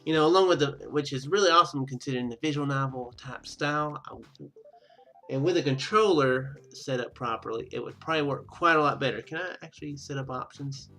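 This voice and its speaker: A man's voice: medium pitch, a little fast, bright, forceful tone, faint music behind. A man giving casual let's play commentary as host of a gaming video, rambling and thinking aloud.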